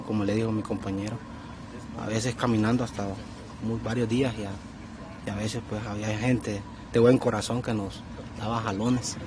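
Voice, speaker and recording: A man in his thirties with a Honduran accent, giving informal interview testimony as a migrant, with frequent pauses. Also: fairly low pitch. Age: 30s. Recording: noisy outdoor street with traffic.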